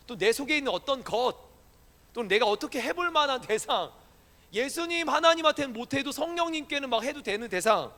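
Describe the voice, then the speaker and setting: A male pastor preaches in a casual, playful way, asking his young congregation questions as he goes. His voice sits high and swings widely in pitch. A long church-hall reverb trails after his words. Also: a bit bright. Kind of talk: conversational sermon to young adults.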